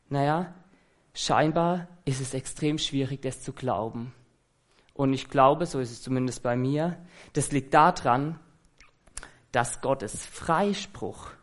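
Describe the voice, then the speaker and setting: A man preaching an earnest, conversational sermon that he fills with rhetorical questions. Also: fairly high pitch.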